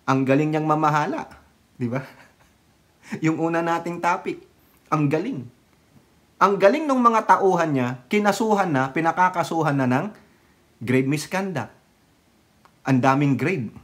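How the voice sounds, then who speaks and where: A vlogger ranting about politics in a casual, mocking way, laughing often, swearing, and jumping sharply in pitch and loudness. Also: expressive, unhurried, long pauses.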